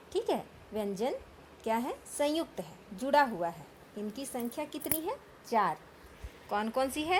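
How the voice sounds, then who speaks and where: Slow, patient woman teaching grammar. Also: sits high, slight background noise. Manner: slow, patient explaining with frequent check-in questions. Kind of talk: Hindi grammar lesson.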